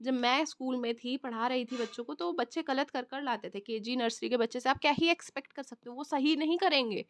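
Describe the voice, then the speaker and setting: A woman's voice: high-pitched, fairly quick, hardly any pauses, no room sound, clean studio sound. A young woman teacher giving a conversational exam-prep lecture to trainee teachers, talking directly to her students. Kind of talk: exam-prep lecture, mixing Hindi and English.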